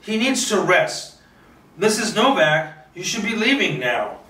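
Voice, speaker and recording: An anxious, lonely old widow acted out by a man in a screenplay read. The voice is raised and bright, with halting, pleading insistence, recorded in a roomy space. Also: high-pitched, big pitch swings, voice pushed up, exaggerated voice. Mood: agitated denial. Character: lonely, anxious elderly widow hiding a secret. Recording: roomy, distant microphone.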